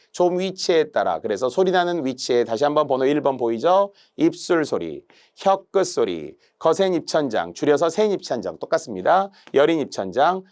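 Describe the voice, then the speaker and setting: A man's voice: on the high side, a little mellow. A middle-aged man, a language instructor, giving an emphatic exam-prep lecture and stretching out his examples.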